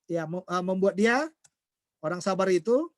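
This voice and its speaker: A man's voice: high voice, moderate pace, no room sound, studio quality. A man preaching a sermon who keeps asking the congregation questions and then answers them himself. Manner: acts out everyday quarrels in quoted voices.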